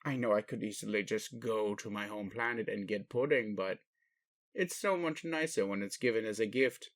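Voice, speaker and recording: A man playing an ancient alien father in a roleplay audio, speaking formally with pauses to his adopted human, fond and bemused. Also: fairly low pitch, lightly acted. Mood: musing. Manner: slow, formal phrasing with pauses, addresses listener as human. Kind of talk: roleplay audio addressed to the listener.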